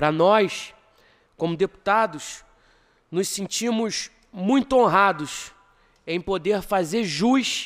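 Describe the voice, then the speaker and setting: A man with a high pitch at a fairly slow pace against a quiet background. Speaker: state legislator. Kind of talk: formal ceremonial speech. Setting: legislative chamber ceremony. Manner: improvised. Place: hall. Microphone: podium.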